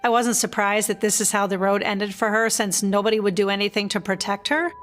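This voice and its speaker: Mid-pitched woman recounting events over music. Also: brisk. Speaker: interviewee, bereaved sister of a victim. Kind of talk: documentary interview, recounting events.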